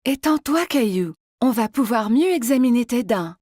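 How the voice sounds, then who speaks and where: A woman's voice: fairly high pitch, lively intonation, normal speed, noisy background, lightly acted. A woman playing a kind, cheerful female dental worker in a children's cartoon. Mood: encouraging.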